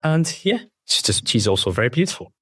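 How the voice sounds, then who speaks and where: A man's voice: medium pitch, sing-song, a little fast, fairly bright tone, breathy edge, no room sound, studio quality. A man, a podcast guest speaking in a careful, self-consciously posh way. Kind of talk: casual interview answers.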